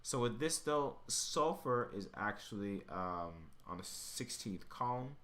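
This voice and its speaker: A man's voice: lowish voice, expressive, slow, fairly bright tone. A man giving an informal, step-by-step tutoring explanation, thinking aloud as he works. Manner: thinking aloud while working. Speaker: chemistry tutor.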